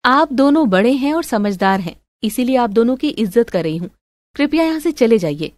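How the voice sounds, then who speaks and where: Lady doing strict accusing mother-in-law, melodrama, highish voice, dry sound. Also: expressive, normal speed, darkish tone, no echo, lightly acted. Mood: cold, dismissive. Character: stern, accusing middle-aged Indian mother-in-law. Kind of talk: melodramatic audio story acting.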